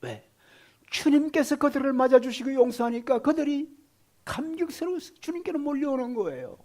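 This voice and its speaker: High-voiced male pastor preaching dramatically. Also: lively intonation, moderate pace. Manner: dramatic swings from loud exclamations to hushed whispers; preaching with rhetorical questions to the congregation. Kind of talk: sermon.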